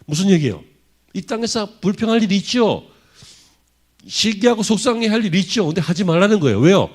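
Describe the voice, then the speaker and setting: A male pastor delivers a sermon in a church, his voice sitting a bit high for a man and swinging widely in pitch. He keeps pressing his listeners with rhetorical questions, dropping low and soft at times, then lifting his voice again. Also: a little fast. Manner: animated preaching full of rhetorical questions to the congregation. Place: church sanctuary.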